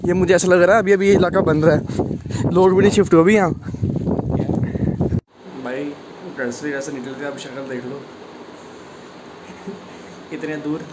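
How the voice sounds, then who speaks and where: A man's voice: sits high, fairly even intonation, normal speed, pauses often, background noise. A man, chatting casually to a phone at arm's length as a travel vlogger. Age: 20s. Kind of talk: casual travel vlog chat. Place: plain rooms, rooftop, streets and shops.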